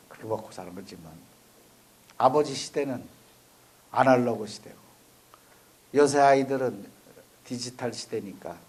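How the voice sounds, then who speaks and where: A male Buddhist monk from Chungcheong gives a conversational dharma talk. He speaks in a folksy, plain-spoken way and keeps checking in with the listeners with a quick "eh?". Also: mid-range voice, a little mellow. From Chungcheong, South Korea. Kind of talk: conversational sermon. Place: temple or university dharma hall.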